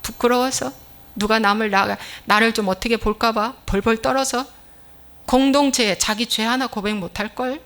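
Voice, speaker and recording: A woman's voice: a little high, fairly even intonation, normal speed, a bit bright. A woman pastor delivering a sermon, emphatic and scolding, acting out little quoted exchanges as she preaches.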